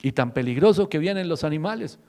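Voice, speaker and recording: Male pastor, fervent preaching, fairly high voice, long hall reverb. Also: expressive, fast talker, a little mellow. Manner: fervent, rhetorical, acts out quotes. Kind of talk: radio sermon.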